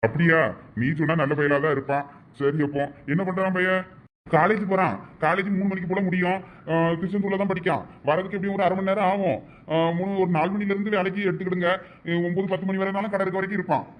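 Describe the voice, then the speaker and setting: Quick thoothukudi guy, friendly, high-ish voice, faint outdoor noise. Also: steady tone, lo-fi sound. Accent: Thoothukudi Tamil. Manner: friendly and persuasive. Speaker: villager asking a shopkeeper for a job for a youth. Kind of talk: village comedy drama acting.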